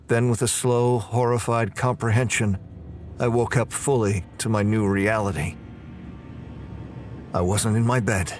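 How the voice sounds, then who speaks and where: An actor playing a bewildered, uneasy man narrating his horror story in a deliberate, measured way. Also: fairly low pitch. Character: bewildered, uneasy man waking in strange prison. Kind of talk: dramatized horror audio narration. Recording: faint music under the voice.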